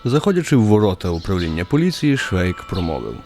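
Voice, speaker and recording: A man's voice: low voice, very animated, fast, darkish tone. A man narrating a radio play as a scripted, wry literary story. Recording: music under the voice.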